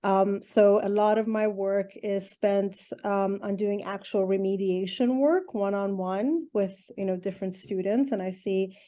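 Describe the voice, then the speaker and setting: A middle-aged woman from Iran talks through her answers in an interview. Her voice is mellow, and she pauses often with ums and restarts her sentences as she thinks. She speaks at a medium pitch. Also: steady tone. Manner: thoughtful, many ums and restarts. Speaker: guest, educational therapist.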